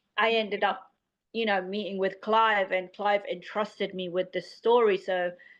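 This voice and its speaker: Against a quiet background, a woman with a London accent speaks at a moderate pace, her medium pitch held in a monotone, flat intonation. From London, England. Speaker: filmmaker and music journalist. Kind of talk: interview.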